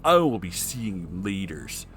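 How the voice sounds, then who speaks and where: A man voicing a haughty male cartoon cat with a stern, slow, pompous delivery. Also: low-pitched, big pitch swings, a bit bright, faint music behind, full character voice.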